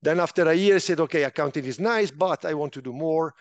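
A middle-aged man from Italian-speaking Switzerland, speaking English with a clear Italian accent. His voice sits a little high for a man, and he tells his story animatedly, with small restarts. The sound is dry and close. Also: quick pace, no room sound. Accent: Swiss Italian. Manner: animated, slightly imperfect English, frequent restarts. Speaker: guest, finance official. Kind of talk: interview storytelling.

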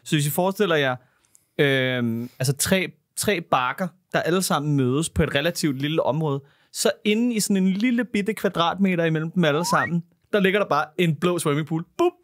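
A man co-hosting a podcast in casual chat, who mumbles a little and rushes his words. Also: a little high, no echo, studio quality. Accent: Danish. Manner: mumbles and talks fast, words tumbling. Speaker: podcast co-host. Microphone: studio microphone.

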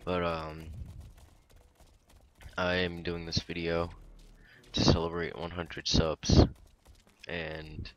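A young man in casual gameplay commentary, talking in a monotone with mumbled asides, close to the mic. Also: deep voice, slow pace, creaky, pauses often. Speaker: gaming YouTuber.

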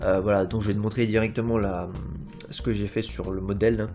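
A man's voice: lowish voice, level tone, fast talker, warm tone. A young man narrates a Minecraft building tutorial in a casual, rambling, playful way, full of fillers and little "hop" sounds. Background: faint background music.

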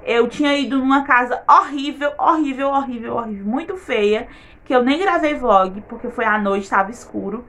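High bright woman. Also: normal speed. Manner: earnest, repeats words for emphasis. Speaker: vlogger giving a testimony. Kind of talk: emotional faith testimony.

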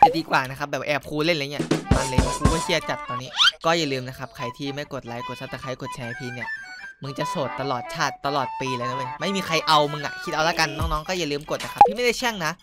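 A young man doing casual gameplay commentary, loud and crude, with excitable trash talk aimed at other players. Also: on the high side, fast. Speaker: gaming YouTuber. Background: loud game music.

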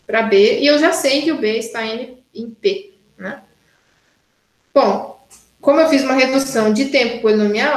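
A woman's voice: fairly high pitch, roomy sound, low-quality recording. A woman university lecturer teaching an online class, working through exercises step by step and checking in with students often. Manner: explains step by step, frequent "né?" and "tá?" checks.

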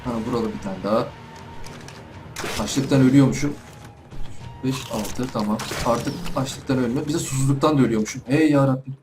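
A man's voice: mid-range voice, fairly quick, long pauses, over music. A young man giving casual let's play commentary from home, chatting to himself and the animals in the game. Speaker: gaming YouTuber.

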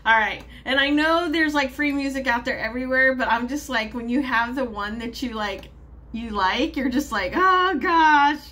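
A woman's voice: high voice, normal speed, sharp tone. A woman vlogging casually from her home, rambling with lots of fillers and little laughs as she vents her frustration. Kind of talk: casual vlog chat.

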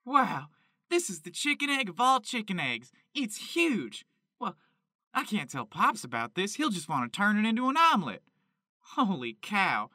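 A man playing an excitable young chicken farmer who talks in a folksy, exclamatory way in an amateur audio drama. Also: sits high, no room sound, clean studio sound, heavily acted. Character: excitable young male Kentucky chicken farmer, devoted to animals.

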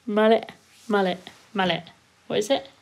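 A woman's voice: mid-range voice, fairly even intonation, normal speed, creaky. A young woman from northern England with traces of a northern English accent, bantering casually and swearing as a podcast co-host. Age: young adult. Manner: giggly, sweary. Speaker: podcast co-host and amateur voice actor. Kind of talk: casual banter over bloopers.

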